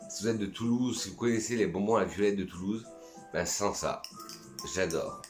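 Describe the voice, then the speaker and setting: A man's voice: lowish voice, moderate pace, reverberant, soft background music. A man from France chatting casually and enthusiastically in a vlog, reviewing his perfumes and sometimes talking to himself. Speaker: perfume YouTuber.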